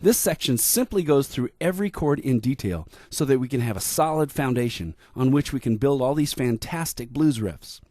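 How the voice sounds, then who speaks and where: A man's voice: mid-range voice, lively intonation, normal speed, hardly any pauses, mellow, dry recording, studio quality. A man giving upbeat, scripted voice-over narration introducing piano lesson clips. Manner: upbeat, promotional.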